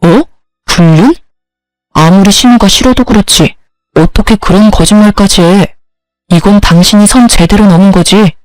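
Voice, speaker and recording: A woman's voice: mid-range voice, normal speed, darkish tone, dry recording, soft background music, natural voice, poor audio. A woman voicing a husband who defends his younger sister. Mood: indignant.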